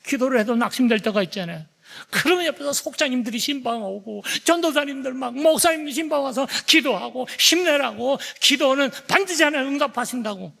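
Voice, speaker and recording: A man in his seventies preaching a sermon as pastor, telling a story with animated flair and tagging lines with a questioning "eh?". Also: very high voice, fairly quick, gravelly. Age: 70s. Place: church sanctuary. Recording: long church hall reverb.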